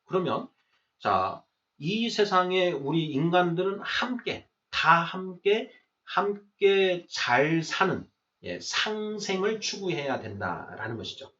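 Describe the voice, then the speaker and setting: Guy teaching a class, really up and down pitch, repeats key words, kinda far from mic and dull sounding. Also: sing-song, slow pace, pushed and bright. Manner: emphatic, repeats key phrases, didactic. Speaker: lecturer. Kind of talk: explanatory lecture, question and answer.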